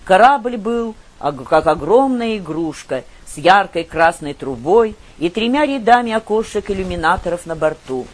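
A woman reading a novel aloud as a measured, expressive storyteller, narrating in first person. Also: fairly low pitch. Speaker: audiobook reader. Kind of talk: literary audiobook narration.

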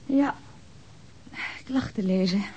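A woman's voice: medium pitch, takes it slowly, a little mellow, close to an everyday voice. Woman playing a blunt, reproachful wife, faint noise. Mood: drowsy, curious. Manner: blunt, nagging. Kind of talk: naturalistic radio drama acting. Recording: faintly noisy old radio drama recording.

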